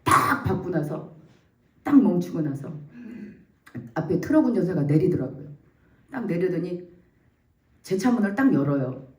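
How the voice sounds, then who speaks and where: A woman in her forties giving a heartfelt church testimony, telling her story with lively acted-out quotes. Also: lowish voice, moderate pace, long pauses. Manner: animated storytelling, acts out quotes, laughs and nearly cries. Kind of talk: emotional testimony. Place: church sanctuary. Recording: echoey church room, mic at a distance.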